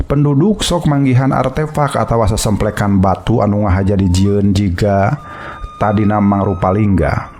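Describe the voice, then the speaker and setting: A man's voice: lowish voice, a little mellow. A man with a Sundanese accent, narrating a folk tale to his listeners as a storyteller.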